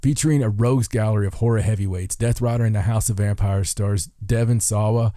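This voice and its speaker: Low, mellow-voiced man chatting on a podcast. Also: steady tone, fairly quick, no room sound, studio quality. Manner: rambling, jokey, enthusiastic. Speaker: podcast host. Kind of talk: casual podcast chat.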